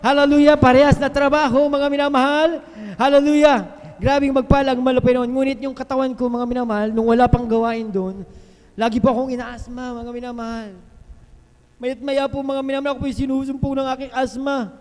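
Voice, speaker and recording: A man giving a fervent testimony at a worship service, repeatedly addressing the congregation and breaking into loud hallelujahs. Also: extremely high pitch, level tone, fairly quick. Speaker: church member giving testimony. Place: church worship hall. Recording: long hall reverb on a live stream.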